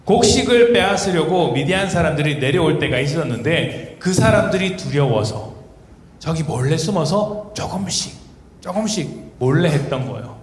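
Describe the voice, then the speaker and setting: A man's voice: fairly high pitch, moderate pace. Man preaching to children in a hall. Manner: asks the children questions, animated storytelling. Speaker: children's pastor. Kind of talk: children's sermon. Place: church hall. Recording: echoey hall, faint noise.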